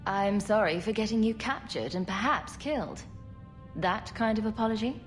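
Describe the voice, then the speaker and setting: A woman's voice: medium pitch, normal speed, faint music behind, close to an everyday voice. A woman playing a sardonic, betrayed heroine in a fantasy video game, sarcastic and challenging. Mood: bitter, sarcastic.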